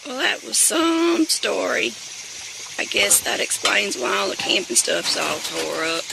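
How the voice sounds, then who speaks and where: A woman's voice: medium pitch, sing-song, unhurried, creaky, noisy background, heavily acted. A woman playing an exasperated rural wife and mother in a comedic audio drama, with a folksy, scolding Southern US drawl. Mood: wistful.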